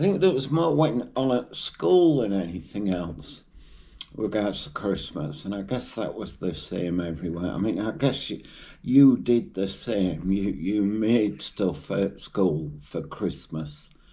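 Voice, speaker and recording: In an English accent, a man speaks fairly slowly with a fairly low, dark, mellow tone and very wide pitch swings. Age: 60s. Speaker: vlogger. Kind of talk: casual chat. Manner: halting.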